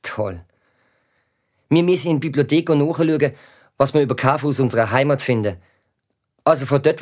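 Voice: mid-range voice, a little mellow, lightly acted. A performer voicing a cheeky, grumbling schoolboy, who narrates and mocks others in a children's audio drama. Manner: sulky, sarcastic, grumbling. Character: cheeky gamer schoolboy, grumpy and mocking. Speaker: narrating lead character.

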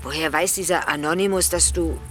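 A woman's voice: sits low, fairly even intonation, brisk, lightly acted. A woman in a radio drama playing a brash investigator with a wry, sarcastic way of talking. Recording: with loud music behind.

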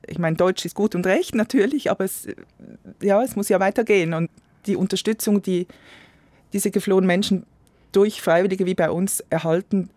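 A man, answering interview questions in a hesitant, reflective way and often trailing off softly. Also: high voice, moderate pace, dry recording. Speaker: guest, volunteer program coordinator. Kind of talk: interview conversation.

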